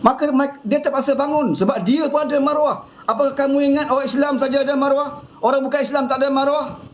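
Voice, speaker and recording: A man's voice: very high-pitched, steady tone, quick pace, a little hiss or hum. A man with a Malaysian Malay accent giving a fiery political monologue full of scolding rhetorical questions. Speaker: political commentator.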